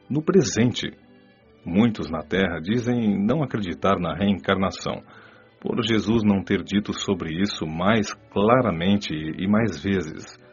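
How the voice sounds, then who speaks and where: Husky, low-voiced man playing a spirit mentor. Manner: solemn, didactic. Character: male spirit mentor, solemn, instructive. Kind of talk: scripted radio drama, preaching lecture. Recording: dull lo-fi audio with music behind. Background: background music.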